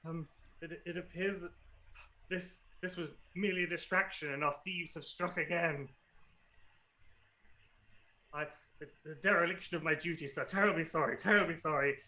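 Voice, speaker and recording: A man's voice: a little high, steady tone, moderate pace, long pauses, pushed and bright, pitched above the performer's own voice. A man voicing a small golden robot stores manager who is fussy, anxious and ashamed, apologizing over and over. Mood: apologetic, flustered. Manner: apologetic, fussy, repeats himself.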